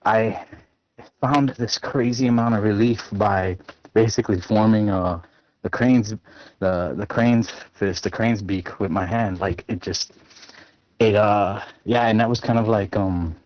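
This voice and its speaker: Lowish male voice, slightly winded, rambling check-in over muffled lo-fi call audio. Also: steady tone, a little slow. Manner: rambling, many fillers and restarts. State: a little out of breath. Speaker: net participant checking in. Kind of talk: casual check-in on a group call.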